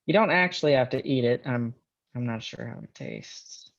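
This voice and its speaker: Man playing tender young suitor, gravelly edge. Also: mid-range voice, expressive, moderate pace, no room sound, dull audio. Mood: tender, playful. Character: eager, tender young suitor from Illinois, a railroad laborer. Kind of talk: screenplay table read acting.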